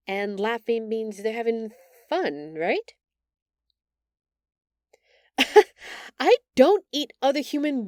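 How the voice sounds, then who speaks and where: A woman acts out a gentle female alien, shy and eager to please, in an intimate audio drama. She speaks slowly at a medium pitch, hesitating and stumbling over her words with earnest, apologetic care. The sound is very dry, with no room around it. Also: dry recording, natural voice. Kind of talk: intimate scripted audio roleplay.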